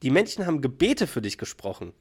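A man's voice: mid-range voice, big pitch swings, fast talker, breathy edge. A man reading the part of an exasperated wife who scolds her husband with sarcasm, in a podcast read-through of a sitcom scene. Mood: scolding.

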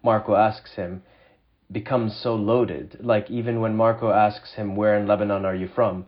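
A man's voice: fairly low pitch, steady tone, fairly quick. A man speaking as an interview guest, explaining his thoughts earnestly in a conversational way, on slightly lo-fi audio.

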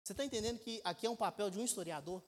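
A man, preaching a sermon as a pastor. He speaks with emphatic rhetorical questions and swings between loud and quiet. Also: sits high, very fast. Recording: echoey church hall with long reverb.

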